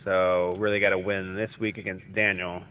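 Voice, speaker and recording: A man's voice: low voice, level tone, normal speed. A man leaving a casual, conversational voicemail as a caller, heard over a tinny phone line.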